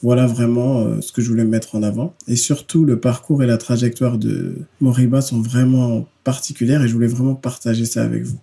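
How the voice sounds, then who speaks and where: A man hosting a podcast, reading a clear, steady intro and then chatting easily with his guest. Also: mid-range voice, fairly quick, few pauses. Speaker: podcast host, social educator. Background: faint music under intro.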